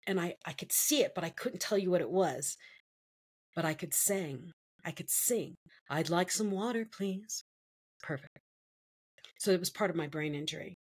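As a guest in an interview, a middle-aged woman tells her personal story in a low, husky voice at a moderate pace, pausing often. She is emotional and vivid, acting out what other people said.

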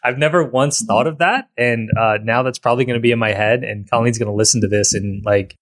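A man's voice: medium pitch, a little fast, a bit bright, no echo, clean studio sound. A man hosting a podcast in casual conversation, rambling with frequent restarts and repeated words. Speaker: podcast host.

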